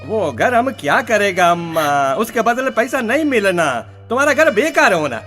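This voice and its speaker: A man's voice: high voice, very animated, normal speed, a bit bright, soft background music. A man playing a wily, grudging moneylender with a South Indian accent and broken grammar in a radio play. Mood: grudging, dismissive. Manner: broken Hindi, haggling, condescending. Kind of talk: Hindi radio play acting.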